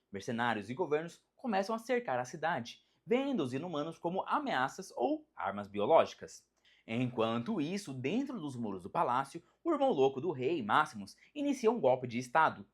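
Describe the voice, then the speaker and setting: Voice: mid-range voice, slightly rough. A narrator with a Brazilian accent reading a scripted video essay in a dramatic, emphatic storytelling way. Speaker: narrator of a video about animated superhero films.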